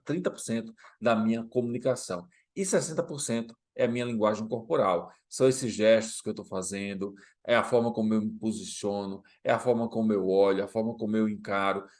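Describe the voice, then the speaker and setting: A man giving an animated motivational lesson, turning to viewers often with quick check-in questions. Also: lowish voice. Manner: animated, speaks to viewers directly with tag questions. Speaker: coach. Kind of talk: motivational talk to camera.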